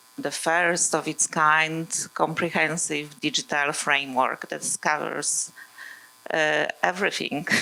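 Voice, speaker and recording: With a Polish accent, a woman speaks at a very slow pace with a very deep, low pitch, a bright, sharp tone, and fairly even intonation. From Poland. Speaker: former government AI advisor, diplomat. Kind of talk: panel discussion. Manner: many fillers.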